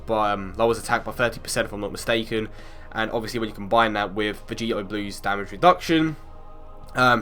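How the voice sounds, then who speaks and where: A young man hosting a casual mobile game analysis video speaks at a medium pitch with a bright, forceful tone. He has a bit of a cold that makes him sound slightly off, and he's chatty, full of ums, restarts, and quick laughs.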